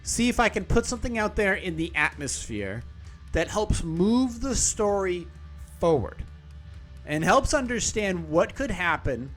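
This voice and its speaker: A man hosts a podcast in a loose, sarcastic way, cursing freely and correcting himself as he reads. His voice sits a little higher than most men's. Soft music plays faintly under him. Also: big pitch swings, a little slow. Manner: sarcastic, profane, rambling with self-corrections. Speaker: podcast host. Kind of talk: casual commentary, reading an article aloud.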